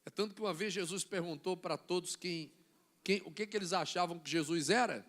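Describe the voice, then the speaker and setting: A Brazilian man preaching a sermon, acting out little scenes and building to shouted lines. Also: high-pitched, brisk. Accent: Brazilian Portuguese. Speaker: bishop preaching.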